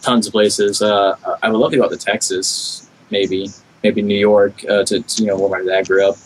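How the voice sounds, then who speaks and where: A man's voice: on the low side, level tone, normal speed, a little hiss or hum, poor audio. A young adult man with a General American accent, chatting casually in an earnest, rambling way as a podcast guest. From Florida, United States. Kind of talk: casual chat.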